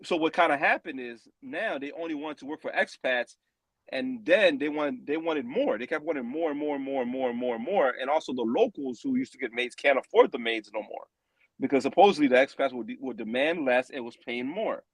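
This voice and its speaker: A man chatting casually as a podcast panelist, telling stories with animated, emphatic delivery. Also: mid-range voice, brisk, no room sound. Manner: animated, emphatic storytelling with rising exclamations. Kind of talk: casual opinionated chat.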